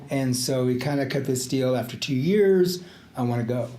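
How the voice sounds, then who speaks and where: A man's voice: mid-range voice, warm tone. Reflective older man in an echoey room. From Panama Canal Zone. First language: Greek. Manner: reflective, halting with fillers and restarts, laughs easily. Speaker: retired judge, podcast guest. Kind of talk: casual interview chat. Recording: echoey room, faint background noise.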